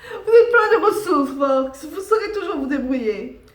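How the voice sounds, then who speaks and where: A man's voice: extremely high pitch, animated, normal speed, fairly bright tone, reverberant. A woman voicing a courteous man who works at a hotel, speaking politely and formally in a narrated game. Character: courteous male hotel worker, loyal friend.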